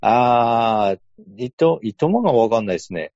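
A man's voice: medium pitch, expressive, unhurried, a little mellow, no echo, muffled recording. A man from Iwate, Japan chatting as a podcast guest, hesitant and laughing often. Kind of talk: casual chat.

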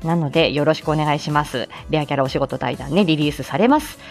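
A woman's voice: low voice, quick pace, soft background music. A woman hosting a live stream in a casual, chatty way, often laughing between phrases. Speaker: livestream host.

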